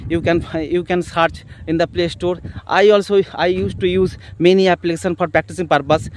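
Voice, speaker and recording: A man's voice: high-pitched, fairly even intonation, fairly quick, slight background noise. A young man whose first language is not English, talking in an unscripted practice monologue, hesitant, with many fillers and repeated phrases. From village area. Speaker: English learner vlogger.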